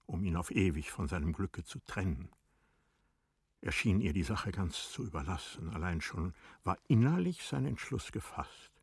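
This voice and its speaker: Male literary narrator: sober, measured, on the low side, breathy grain. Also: no echo, studio quality.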